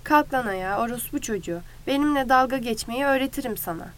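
A hot-headed young brawler, put on by a woman reading a storybook, spitting out quick, aggressive threats. The voice sits a little high and bites hard. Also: expressive, a bit bright. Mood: snarling. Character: short-tempered young male brawler.

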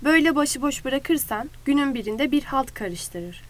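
A woman's voice: sits high, lively intonation, unhurried. A woman voicing a crude, mocking man who taunts others in a storybook reading. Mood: sneering. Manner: sneering, taunting. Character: crude, mocking male ranch hand.

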